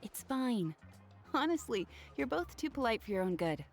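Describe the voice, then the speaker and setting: A woman's voice: on the high side, sing-song, moderate pace, faint music behind. A woman voicing a friendly, chatty young female jeweler in a video game, slightly flustered. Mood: kindly.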